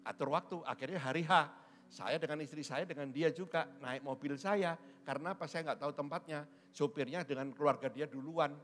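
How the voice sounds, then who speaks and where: A man's voice: on the high side, fairly quick, a bit bright. A middle-aged man preaching a sermon as a pastor, joking and teasing his congregation. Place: church hall. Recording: church hall with long reverb.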